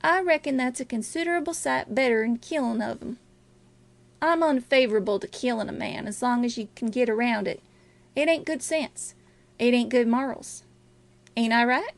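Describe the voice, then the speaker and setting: Woman voicing a cool, high-pitched scheming crook. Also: creaky. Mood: reasoning. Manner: persuasive, deliberate, rustic American dialect. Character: Packard, cool calculating male river criminal.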